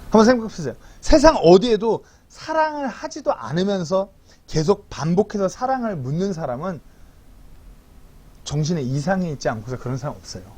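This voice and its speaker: A man in his thirties preaching a sermon as pastor, acting out quotes in a lively way. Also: high voice, fairly quick, husky. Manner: animated preaching with acted-out quotes. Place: church hall.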